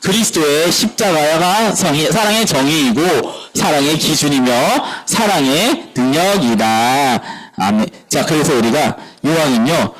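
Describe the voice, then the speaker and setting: A man preaching a sermon as pastor at a church service, animated, asking the congregation questions and answering them himself. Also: a little high, measured pace, hardly any pauses, slight background noise, low-quality recording.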